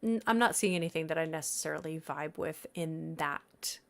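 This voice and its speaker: A woman's voice: low voice, moderate pace, gravelly. A woman chatting casually on a live stream, giggly and talkative as she greets and answers her chat.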